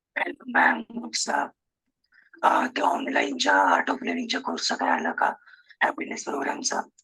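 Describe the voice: A man's breathy, whispered put-on character voice at a moderate pace, with long, frequent pauses.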